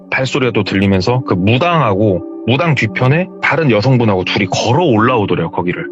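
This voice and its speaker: Lively man telling a horror story. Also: on the low side, lo-fi sound. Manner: lively, retelling hearsay.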